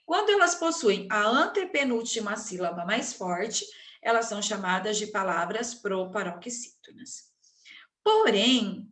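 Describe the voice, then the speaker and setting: A woman teacher with a Brazilian Portuguese accent, giving a slow recorded lesson and checking in often with her students. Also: fairly high pitch, a bit bright. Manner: slow, explanatory, checks in with tag questions. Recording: roomy echo.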